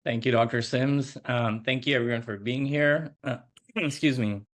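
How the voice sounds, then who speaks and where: A man's voice: mid-range voice, moderate pace, a bit bright. A man from Nepal, probably in his thirties, giving an earnest slide presentation on a video call, often using small fillers as he talks. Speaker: advocacy presenter.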